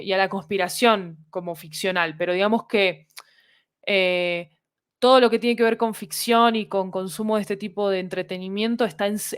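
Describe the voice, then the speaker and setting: A woman with a Latin American Spanish accent explains things in casual conversation, thinking aloud and often checking that the listener follows. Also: medium pitch. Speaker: podcast creator guest.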